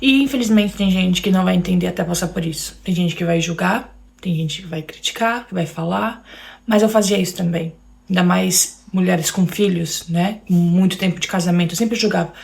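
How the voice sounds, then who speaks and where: A woman's voice: fairly low pitch, normal speed, gravelly. A young woman from Brazil telling her own story of abuse, talking straight to her listeners and acting out the lines people said. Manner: addresses listeners as "gente", acts out quoted lines. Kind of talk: emotional personal testimony.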